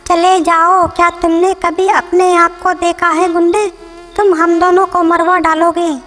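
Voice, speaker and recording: A woman's voice: very high-pitched, level tone, unhurried, a bit bright, soft background music. A woman voicing a bossy, territorial male bedbug in a children's cartoon, talking in a scolding tone. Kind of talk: cartoon voice acting.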